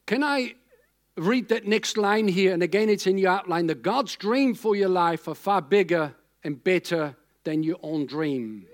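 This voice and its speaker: Male pastor, 60s, fairly high voice; conversational sermon delivery that rambles and repeats for emphasis. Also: unhurried. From Austria. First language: German.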